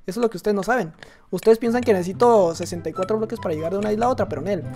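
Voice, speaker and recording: Excitable Mexican gamer man. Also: high voice, very fast, faint music behind. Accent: Mexican Spanish. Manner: excitable, joking, rambling asides to viewers. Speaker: gaming YouTuber. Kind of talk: live gameplay commentary.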